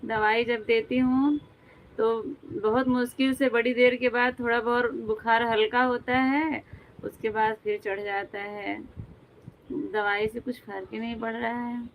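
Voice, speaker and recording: A woman's voice: on the high side, flat delivery, unhurried, low-quality recording. A young Indian woman, hosting a casual live stream on her phone, reading out viewer comments, greeting viewers as brother and sister, and laughing often.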